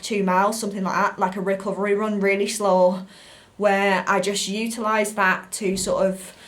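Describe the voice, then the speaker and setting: British female fitness vlogger, mid-pitched, informal and rambling explainer delivery to camera. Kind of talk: casual talk to camera.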